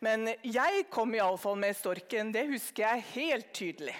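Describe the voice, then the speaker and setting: A woman's voice: fairly high pitch, animated, lightly acted. A woman voicing a jovial father who teases his son with a tall tale. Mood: hearty.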